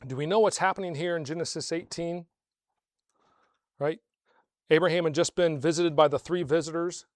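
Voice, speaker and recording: A man preaching a sermon to a congregation, asking rhetorical questions and slowing down to stress key phrases. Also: a little high, dry recording, clean studio sound. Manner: swells louder on key phrases, slows for emphasis. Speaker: pastor.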